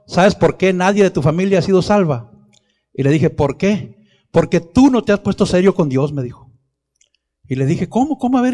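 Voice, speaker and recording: A man's voice: sits high, a little mellow, in a large hall. A middle-aged man from Mexico preaching a sermon testimony, impassioned and repeatedly calling out to his brothers in the congregation. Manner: impassioned, repeatedly addresses "hermano".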